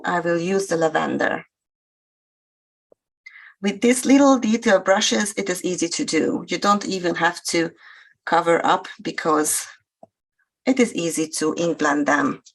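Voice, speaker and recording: A woman from Hungary, speaking English with a Hungarian accent, calmly demonstrating a craft technique with frequent hesitations. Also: lowish voice, creaky. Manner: hesitant, many fillers, explains steps slowly. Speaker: guest crafter.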